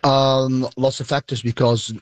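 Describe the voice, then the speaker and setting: A man's voice: mid-range voice, little pitch movement, unhurried, dry recording. A man, answering news interview questions, hesitant with many fillers and restarts. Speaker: interviewed sports executive.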